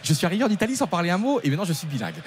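Man, fast animated radio host, teasing banter, noisy booth. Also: sits high. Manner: playful, teasing, self-mocking banter. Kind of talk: joking studio chat about football.

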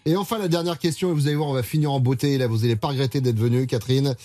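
A man from southwest France hosting a playful radio talk show, teasing his guests with quick jokey asides. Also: mid-range voice, warm tone, dry recording. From southwest France, near La Rochelle. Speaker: radio host. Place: radio studio.

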